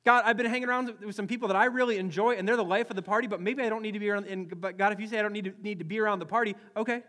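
A young man from Wisconsin preaching a sermon as a pastor, animated and acting out quoted voices with many restarts. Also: high voice, rapid-fire. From Wisconsin, US Midwest.

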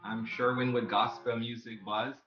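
A man's voice: mid-range voice, level tone, normal speed, muffled recording. Upbeat Guyanese man hosting an interview. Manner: chatty, upbeat, eager interviewer. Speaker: podcast host. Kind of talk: casual interview chat. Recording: echoey room with faint music.

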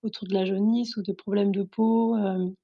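A woman's voice: mid-range voice, fairly even intonation, moderate pace, highs cut off. A woman from France, an Ayurvedic therapist, talking casually as a guest in an interview, with frequent laughs and many hesitations. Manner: laughs often, many fillers and restarts.

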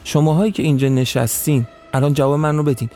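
A man doing a scheming tribal chief, mellow. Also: a little high, steady tone, soft background music, lightly acted. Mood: pressing.

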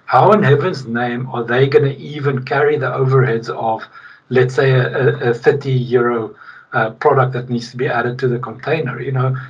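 Man, South African accent, husky, emphatic, conversational interview guest, distant mic, slightly muffled recording. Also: mid-range voice, fairly even intonation, moderate pace. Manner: emphatic, repeats key points for weight. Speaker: podcast guest, logistics technology executive.

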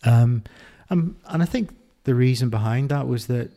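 A middle-aged man with an Irish accent, talking candidly as an interview guest, reflective and halting with many restarts. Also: mid-range voice, gravelly, dark tone.

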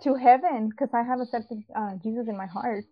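With a fairly high pitch and a brisk delivery, a young woman originally from Mexico who was raised in South Texas gives an interview as a guest, telling a casual personal testimony. Her speech is hesitant and scattered with ums and likes, and she laughs easily; the audio is dull and lo-fi.

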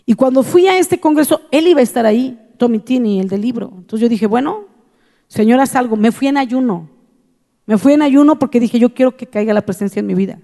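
A woman's voice: fairly high pitch, a little fast, vocal fry, warm tone. A woman pastor giving an earnest testimony in a sermon, telling her story and repeating phrases for emphasis. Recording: long hall reverb.

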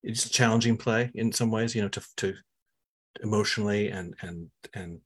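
Husky-voiced man, halting interviewer. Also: fairly low pitch, steady tone. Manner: halting, searching for words with many restarts. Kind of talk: conversational interview question.

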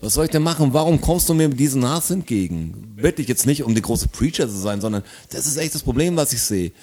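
Man, casual podcast chat, lively storyteller, mid-pitched. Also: quick pace, slightly rough. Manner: animated storyteller, acts out quarrels.

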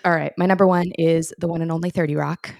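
A woman's voice: sits low, fairly even intonation, fast talker, creaky, a little mellow, dry recording. A woman co-hosting a podcast in casual chat, enthusiastic and emphatic. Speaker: podcast co-host.

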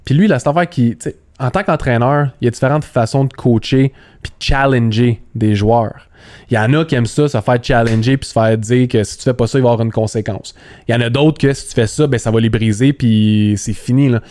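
Quebec French man, relaxed sports analyst. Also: medium pitch, brisk. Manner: relaxed, repeats words, drops English terms. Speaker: guest, basketball analyst. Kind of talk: casual interview talk.

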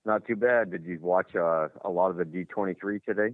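Give me a deep, fast-talking man over the phone. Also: no room sound. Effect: heard over the phone. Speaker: caller to a fan call-in show. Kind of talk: casual chat. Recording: tinny dry phone line.

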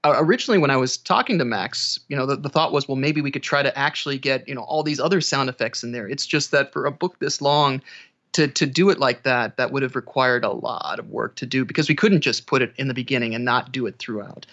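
A man's voice: mid-range voice, fast, fairly bright tone, lo-fi sound. A man speaking casually as a guest audiobook narrator in a conversational interview.

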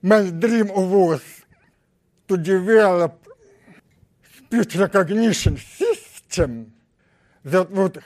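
A man with a strong Russian accent giving a conference talk as a research scientist, speaking slowly in halting, deliberate phrases. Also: high voice, darkish tone. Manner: slow, deliberate, halting speech.

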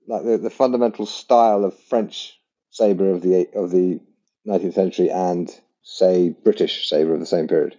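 A man hosting a podcast, asking his guest questions in a measured way. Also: low voice, steady tone, warm tone, highs cut off. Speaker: podcast host. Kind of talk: interview questions.

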